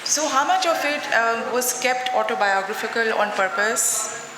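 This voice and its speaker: A woman's voice: fairly high pitch, lively intonation, a little slow, a crowd in the background. A woman moderating a live book panel, putting questions together hesitantly in short fragments, over an echoey, noisy PA. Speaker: moderator interviewing an author. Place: literary festival stage in a garden venue. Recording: echoey reverberant festival PA, noisy ambience.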